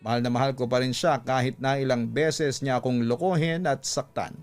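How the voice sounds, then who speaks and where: A man narrating a scripted love story for radio in an emotive, deliberate storytelling manner. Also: medium pitch, steady tone, clear, resonant tone. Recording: music under the voice.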